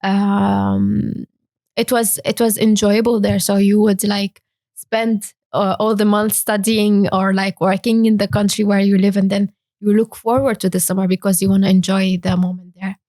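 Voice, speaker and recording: Young woman from Syria, interview guest, halting delivery, dry sound. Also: mid-range voice, flat delivery, warm tone, no echo. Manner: hesitant, many fillers and restarts. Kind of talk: interview talk.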